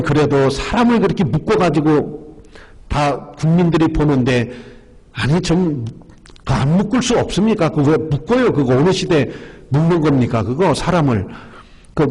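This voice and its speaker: A man's voice: fairly high pitch, a little mellow. A male pastor preaching a sermon, emphatic and repeatedly calling out to the congregation. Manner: emphatic, often addresses the congregation. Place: church sanctuary. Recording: long church-hall reverb.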